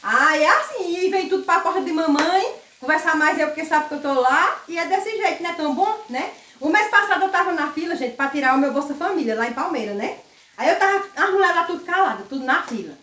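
A woman vlogging casually while she cooks at the stove at home, loud and chatty, laughing often. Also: high-pitched, expressive, brisk. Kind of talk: casual chat while cooking. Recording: echoey kitchen, mic set far off.

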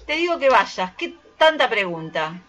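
Radio play role: woman as melodramatic Argentine matriarch, forceful, fairly high voice, scolding and bossy. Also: big pitch swings, a little slow. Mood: curt, bossy. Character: domineering scolding mother, middle-aged widow, melodramatic. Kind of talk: amateur radio play acting.

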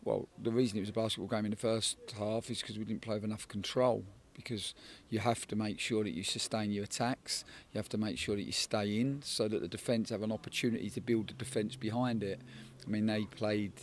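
A man in his forties, a football head coach, giving a measured post-match interview outdoors at a night stadium, often repeating words as he thinks. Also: on the low side, steady tone. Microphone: handheld interviewer microphone.

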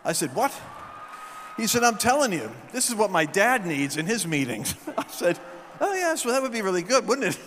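A middle-aged man telling stories from a stage, preaching into a handheld mic and building up to shouted proclamations. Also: sits high, very animated, normal speed, slight background noise. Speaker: guest speaker. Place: large event hall stage. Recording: long hall reverb.

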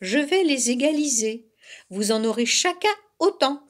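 A sly storybook fox coaxes in a falsely soothing tone, as a woman puts him on. His voice sits fairly high and swoops about as he sweet-talks. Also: animated, unhurried. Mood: coaxing. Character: sly smooth-talking male fox.

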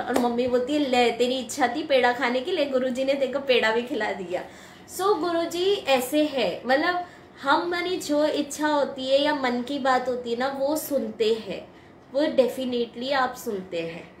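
Chatty woman, high voice, echoey room. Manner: chatty, laughs often, mixes English words. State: eight months pregnant. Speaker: devotional satsang storyteller. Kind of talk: casual spoken testimony to followers. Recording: echoey room with faint hum.

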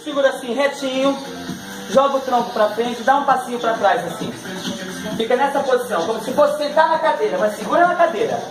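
A man's voice: extremely high pitch, fairly quick, roomy sound, music in the background, low-quality recording. Upbeat Brazilian man coaching exercises. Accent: Brazilian Portuguese. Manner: upbeat counting and cueing, frequent laughs. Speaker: fitness instructor. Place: living room at home.

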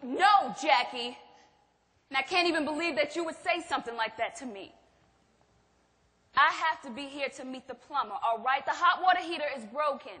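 A woman's voice: high-pitched, animated, moderate pace, pushed and bright. A woman acting in a stage play as an anxious, defensive wife who insistently brushes questions off. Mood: indignant. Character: Gloria, defensive anxious wife covering for her husband. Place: theatre stage. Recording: echoey theatre hall.

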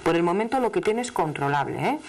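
Tarotista asturiana de voz grave. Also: female voice, on the low side, animated, fast, slight background noise. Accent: Asturian Spanish. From Asturias, Spain. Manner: emphatic, familiar, chatty, addresses caller as "cielo" and "hija". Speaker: television tarot reader. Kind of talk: live phone-in tarot reading. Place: television studio. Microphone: studio microphone, seated at desk.

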